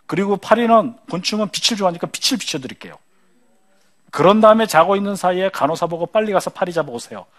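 A man playing a calm, kindly male local doctor who talks gently and humors his patient in a story. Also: sits high, quick pace. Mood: soothing.

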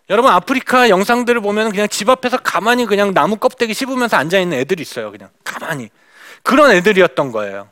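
A woman's voice: mid-range voice, a bit bright, no room sound, studio quality. A woman missionary giving a testimony talk to a church audience, speaking to them directly and acting out the dialogue she recalls. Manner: addresses the audience directly, acts out quoted dialogue.

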